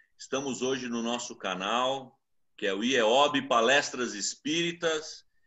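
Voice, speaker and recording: Ordinary pitch variation and a normal speaking voice. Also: man, medium pitch for a man. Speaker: interview host. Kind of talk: channel intro.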